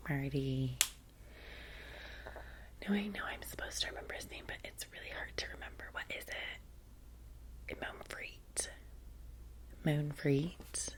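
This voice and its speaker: Casting: woman, Valley girl American accent, low and whispery, as a chatty, soothing vampire's assistant for ASMR roleplay. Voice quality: soft, breathy whisper. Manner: casual, chatty Valley girl phrasing with many "like"s. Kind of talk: ASMR roleplay, soft-spoken personal attention.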